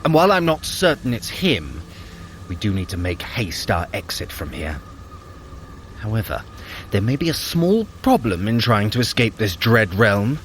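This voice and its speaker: A man's voice: lowish voice, very animated, normal speed, a little hiss or hum. A man playing a sly, theatrical Norse trickster god in an audio adventure, wry and flamboyant, with elaborate formal wording. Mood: sly, measured. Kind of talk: dramatic audio adventure acting.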